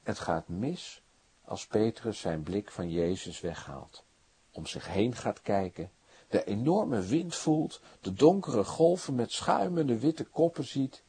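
A male preacher delivers a sermon at a slow, deliberate pace, telling the story with dramatic flair. His voice is mellow and a little husky, and his pitch rises and falls over a very wide range. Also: expressive. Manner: dramatic storytelling with wide swings between soft and emphatic.

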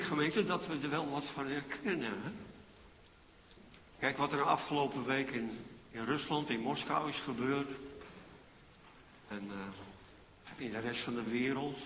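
A man's voice: a little high, a bit bright, slight background noise. A man preaching a sermon in a church, addressing the congregation with rhetorical questions. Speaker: pastor. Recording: echoey church hall with reverb.

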